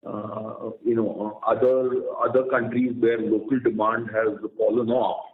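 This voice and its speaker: A man speaking as a company executive on an earnings call, explaining in a halting way and repeating words. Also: lowish voice, level tone, a little hiss or hum. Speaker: company executive answering analysts. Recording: roomy, tinny conference phone line.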